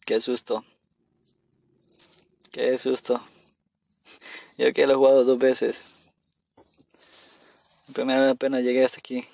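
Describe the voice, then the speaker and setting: A man's voice: medium pitch, monotone, unhurried, gravelly, pauses often, a little mellow, dry recording. Jumpy man narrating a scary mobile game. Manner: jittery, talks to himself, repeats phrases when scared. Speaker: gamer playing on a phone. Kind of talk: casual gameplay commentary.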